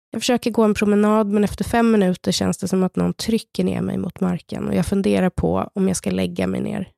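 A woman in her thirties, a podcast co-host, slowly telling a personal story in the present tense in an intimate, measured way. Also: mid-range voice, vocal fry, warm tone, no room sound, studio quality. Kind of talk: personal storytelling, partly read from a script.

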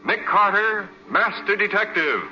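Bright, forceful vintage radio announcer man. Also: high-pitched, a little slow, lo-fi sound, slight background noise. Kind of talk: 1940s radio announcing, scripted. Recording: old band-limited radio recording, music behind. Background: music.

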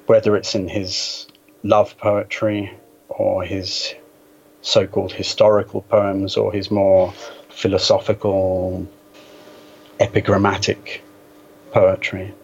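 A man with a fairly low voice talks as a guest in a literary conversation. His delivery is measured and hesitant, with a precise, scholarly bent. The sound is that of a dull internet call with some faint noise. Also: level tone, gravelly, darkish tone. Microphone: Skype call.

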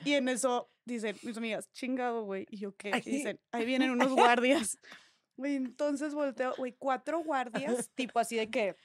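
A woman's voice: fairly high pitch, fairly even intonation, moderate pace, no echo, clean studio sound. A woman with a Mexican accent, a podcast co-host telling a story in casual, slangy chat and acting out the lines of the people in it. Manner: slangy, vivid storyteller who acts out quoted lines.

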